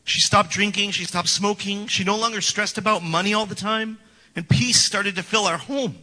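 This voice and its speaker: In a church sanctuary with long hall reverb, a man in his forties delivers an earnest, prepared testimony and acts out the scorn he once felt. His voice is high, pushed and bright, at a normal pace.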